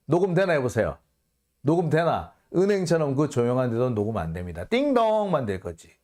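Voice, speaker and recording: A man's voice: medium pitch, big pitch swings, a little fast, darkish tone. A male host giving casual commentary on a news report, sarcastic and indignant, firing off mocking rhetorical questions.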